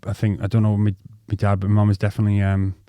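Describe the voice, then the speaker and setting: Casting: North East English man, thirties, low-voiced podcast co-host, rambling, sweary, dry close sound. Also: completely flat delivery, quick pace, dark tone, no room sound. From North East England. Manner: rambling, swears freely, many ums and restarts. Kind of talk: casual storytelling chat.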